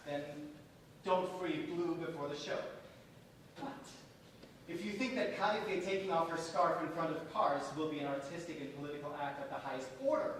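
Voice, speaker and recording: An earnest, challenging man acted on stage presses his argument in a somewhat high voice. His delivery is pointed and persuasive, in the manner of a staged reading. The recording is distant and heavily echoed. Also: lightly acted. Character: earnest, challenging confidant arguing about political art. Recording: echoey hall, distant mic, faint noise.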